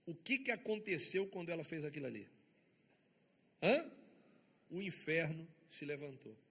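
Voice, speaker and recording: Emphatic Brazilian bishop preaching in a reverberant church. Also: male voice, on the high side, lively intonation, moderate pace, bright, forceful tone, husky. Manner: emphatic, asks the congregation rhetorical questions. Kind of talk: sermon. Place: church sanctuary before a congregation.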